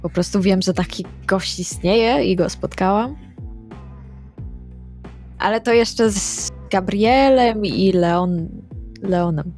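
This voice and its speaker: A woman's voice: medium pitch, slow pace, pauses often, a little mellow. A woman roleplaying casually in a tabletop game, with a playful, informal way of talking. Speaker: tabletop RPG player. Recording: music behind the voice.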